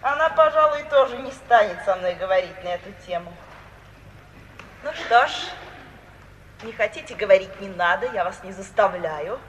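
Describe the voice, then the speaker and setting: An actress playing a brisk, self-assured, unsentimental young woman in a 1950s radio play, speaking decisively and matter-of-factly. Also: mid-range voice, lively intonation, close to an everyday voice. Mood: determined. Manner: matter-of-fact, decisive, bluntly insistent. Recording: old hissy radio recording, roomy and distant.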